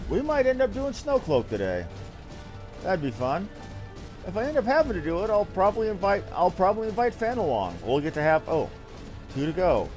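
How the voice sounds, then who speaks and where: A man's voice: high voice, big pitch swings, fairly quick, darkish tone. Man casually streaming a game, music behind. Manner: informal, sweary, joking. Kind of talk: casual livestream commentary on a game.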